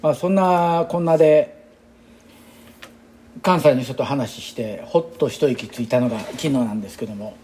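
A man's voice: mid-range voice, normal speed, darkish tone, slight background noise. A man in his sixties with a Kansai accent, an exercise instructor talking in a rambling, chatty and reflective casual monologue. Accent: Kansai Japanese. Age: 60s.

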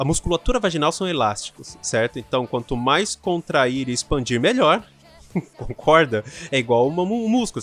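A Brazilian man talks through his podcast in a loose, animated monologue, often checking in with the listener. His voice sits in an ordinary middle pitch. Faint music plays quietly behind him. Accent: Brazilian Portuguese. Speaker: sex coach and podcast host.

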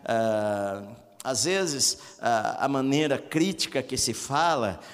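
A man's voice: medium pitch, animated, slow pace, in a large hall. A man preaching a sermon on marriage, earnest and repetitive, with many filler sounds between phrases. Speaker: pastor.

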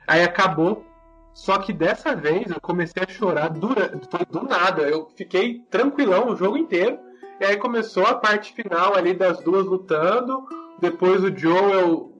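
A man telling a story in casual podcast chat, animated and expressive, repeating words for emphasis. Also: sits high, dull audio.

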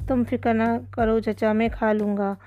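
A woman's voice: a little high, little pitch movement, phone-quality sound, close to an everyday voice. Sheikh Chilli, a woman voicing a lazy young man. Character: lazy, always-hungry young man, simple-minded.

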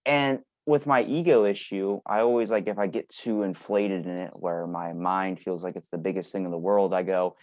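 A man's voice: sits low, fairly even intonation, normal speed, few pauses, darkish tone, dry recording. A man hosting a podcast in a casual, rambling conversation, musing informally and telling little anecdotes. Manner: informal, musing, tells anecdotes with acted-out quotes. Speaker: podcast host interviewing a guest.

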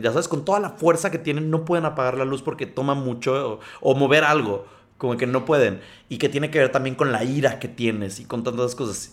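Man, podcast host, mid-pitched voice, casual, reads stories aloud, digressive, stumbles over words. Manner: digressive, stumbles while reading and comments as he goes. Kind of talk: casual chat, reading listener stories aloud.

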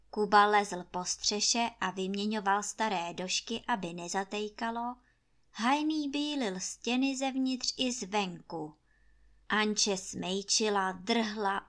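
A woman narrating a fairy tale for children in a lively, folksy storytelling manner. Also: medium pitch.

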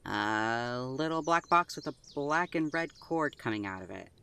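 A woman acting an anxious, caring young driver in a naturalistic audio drama, speaking in a hesitant, gentle, reassuring manner. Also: a bass voice, animated, measured pace, clean tone, heavily acted. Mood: nervously reassuring. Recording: loud music behind the dialogue. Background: music.

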